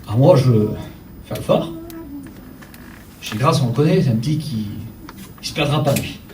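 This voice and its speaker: A man's voice: medium pitch, animated, moderate pace, a little mellow, slight background noise. A middle-aged man preaching a sermon, telling a personal story to the congregation and speaking to them directly, in a church. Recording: echoey church from far off. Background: faint ambience, congregation saying amen.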